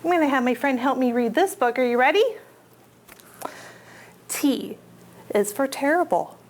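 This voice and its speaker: A woman's voice: high voice, lively intonation, moderate pace, slight background noise. A woman hosting a children's storytime as a librarian, reading picture books aloud in simple child-directed talk and putting questions to her little listeners.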